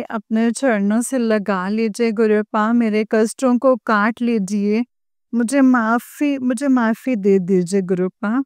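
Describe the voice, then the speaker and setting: A woman's voice: on the high side, darkish tone, clear, resonant tone, no room sound, studio quality. A woman on the verge of tears, pleading with her guru again and again in an emotional devotional talk to her followers. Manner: pleading, repetitive, addresses her guru directly. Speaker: devotional channel host addressing followers.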